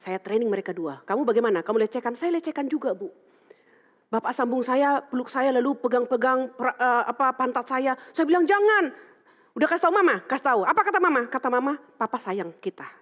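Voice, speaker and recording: A middle-aged woman pastor from Indonesia, preaching through lively stories and acting out the dialogue in quoted voices. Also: high voice, fast talker. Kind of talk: sermon with storytelling. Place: church hall. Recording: dull sound with long church reverb.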